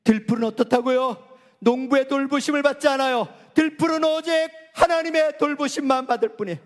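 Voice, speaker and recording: A male pastor with a strikingly high voice preaches with fervour. He moves from emphatic, near-shouted appeals to quiet, hushed lines. His voice rings with the long reverb of a large hall. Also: a little fast. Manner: impassioned preaching, swinging from loud cries to hushed, soft lines. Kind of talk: sermon.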